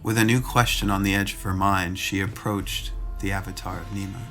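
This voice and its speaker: Storyteller: man with a fairly low voice, reading prose narration over light background music. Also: little pitch movement, brisk, a bit bright. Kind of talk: scripted fan fiction narration.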